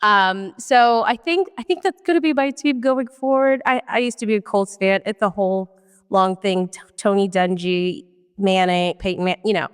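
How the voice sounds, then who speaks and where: A woman's voice: medium pitch, moderate pace, clean tone, big-room sound. A woman from the Washington DC area, co-hosting a podcast in casual chat, a little nasal from a cold, laughing often and wandering into asides. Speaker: podcast co-host.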